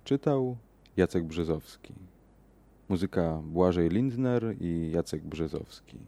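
A man reading a horror story aloud and hosting the podcast, measured in his delivery. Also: sits low, expressive, dark tone. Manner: measured, hesitant in the outro with fillers. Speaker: podcast host and reader.

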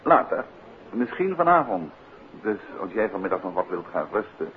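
An urbane gentleman detective in an old radio play, with a deep voice and very lively intonation. He is unruffled, evasive and dryly ironic. The recording is muffled, with some background noise. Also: normal speed. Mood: relaxed, teasing. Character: unruffled, evasive middle-aged gentleman detective, teasing husband. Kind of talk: 1950s Dutch radio drama acting.

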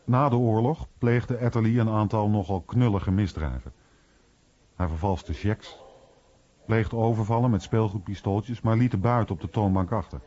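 A man's voice: lowish voice, moderate pace, dark tone. A man reading scripted narration for a radio documentary. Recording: muffled radio recording.

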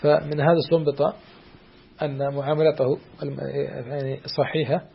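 A man teaching a classical text of Islamic jurisprudence to a student. He talks hesitantly, with many drawn-out fillers and restarts, and keeps checking that the student follows. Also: on the high side, flat delivery, muffled recording, slight background noise.

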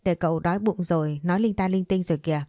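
A woman's voice: lowish voice, quick pace, dark tone, dry recording, studio quality, natural voice. A woman voicing a stern, dismissive middle-aged mother in a spoken ghost story, with a brusque, scolding manner.

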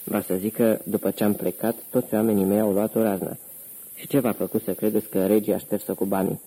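A man reading an audiobook, voicing a calm, commanding man who poses as a mob boss and gives curt orders. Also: fairly low pitch, husky, poor audio. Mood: cool.

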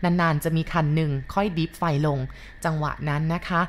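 A woman narrating a ghost story in a measured, polite retelling style. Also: sits low, level tone, slight background noise.

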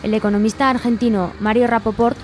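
A woman's voice: a little high, flat delivery, quick pace. A woman with an accent from Spain reading an indignant, scripted editorial as a radio presenter. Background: music under the voice.

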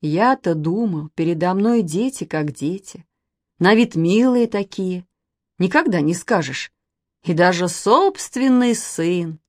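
A hearty, polite middle-aged gentleman, as a woman puts him on, full of friendly exclamations in a storybook reading. His voice rises and falls a lot and sounds dry and close. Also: on the low side, lively intonation, slow, no room sound. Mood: dismayed. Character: cheerful chess-club acquaintance, middle-aged man.

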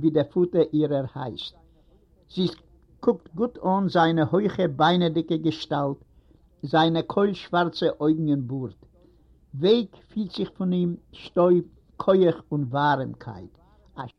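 A man narrating a story in a measured, unhurried reading. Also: on the high side, a little mellow. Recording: dull lo-fi recording.

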